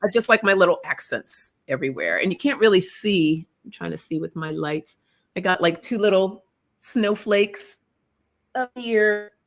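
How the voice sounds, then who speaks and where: A woman with a slightly raspy voice from a recent cough, casually co-hosting a live stream and greeting viewers by name. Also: medium pitch, animated, normal speed. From Canada. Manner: easygoing, laughs often, greets viewers by name. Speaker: tarot channel co-host. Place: home room, live stream. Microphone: computer mic on a live call.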